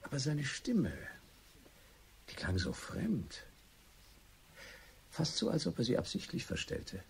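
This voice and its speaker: An actor playing a jovial, chatty crime writer in a German radio play, with a raspy voice and theatrical banter. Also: male voice, a little high, huge pitch swings, slow pace, a little hiss or hum, heavily acted. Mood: musing.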